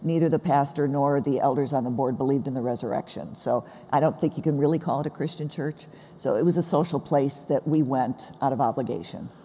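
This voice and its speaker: Swedish-born woman with a mellow voice. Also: extremely low pitch, brisk. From born in Sweden, raised in the US. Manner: warm, laughs often, reflective storytelling. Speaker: guest, seminary professor. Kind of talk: conversational interview. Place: church stage, large hall. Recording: reverberant hall, faint noise.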